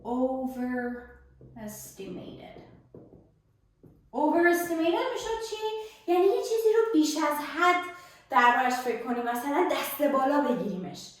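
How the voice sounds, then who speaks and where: A young woman with a high voice teaches English vocabulary at a whiteboard. She draws out each English example word slowly and carefully. Her voice rings around a very echoey room. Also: expressive. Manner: explains slowly, drawing out English example words. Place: classroom with a whiteboard.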